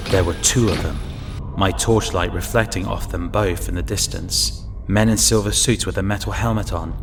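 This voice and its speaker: Guy playing a working man in an audio drama, low voice, tense halting storytelling, music under it. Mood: uneasy. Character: wary working man, lone inspector narrating his ordeal. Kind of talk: first-person audio drama narration and acting.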